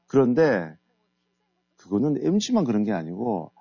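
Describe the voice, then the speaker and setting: A middle-aged man who heads a company, being interviewed on the radio. He explains his ideas in a measured way. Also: medium pitch, huge pitch swings, mellow, slightly rough, no room sound. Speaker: guest author and company head. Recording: dull lo-fi radio studio audio.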